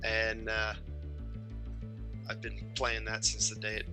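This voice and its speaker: A man's voice: fairly low pitch, monotone, slow, sharp tone, soft background music. A man co-hosting a podcast in an easygoing, playful way. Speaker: podcast co-host. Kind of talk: casual podcast chat.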